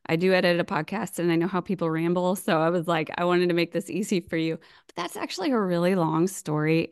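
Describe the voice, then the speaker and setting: An American woman in her forties, chatting casually as a podcast guest over a video call, self-deprecating and quick to laugh. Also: on the low side, creaky, clean tone. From United States. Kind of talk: casual remote interview chat.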